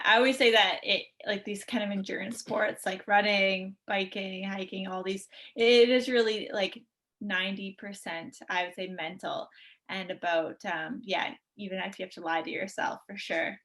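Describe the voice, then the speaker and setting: A woman co-hosting a podcast, chatting casually and searching for her words in a halting way. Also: medium pitch, fairly even intonation, fairly bright tone. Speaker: podcast co-host.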